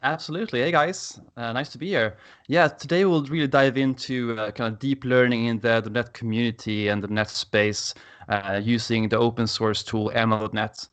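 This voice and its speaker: A man's voice: medium pitch, steady tone, moderate pace, a bit bright. A man from Sweden with a Swedish accent, giving an enthusiastic technical presentation over a video call with frequent "uh" fillers. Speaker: conference speaker.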